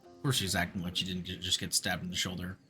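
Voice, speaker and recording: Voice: deep voice, level tone, fast talker, sharp tone. A streamer giving casual commentary while playing a video game. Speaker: streamer, VTuber. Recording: faint game music behind the voice. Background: game music.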